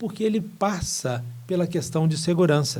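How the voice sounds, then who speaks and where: A man's somewhat breathy voice with a dark, mellow tone, lively intonation and a moderate pace, set in audible room echo. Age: 60s. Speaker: agronomy professor. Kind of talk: interview.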